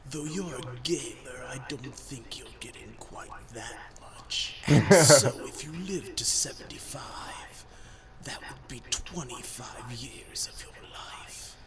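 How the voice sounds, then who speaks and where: A man voicing an evil talking skull in a video game, a pompous, gloating villain with a breathy, whispery, theatrical and sneering delivery. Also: medium pitch, takes it slowly, hardly any pauses, over music, natural voice. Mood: sly taunting. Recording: echoey, distant, crowd-like noise behind.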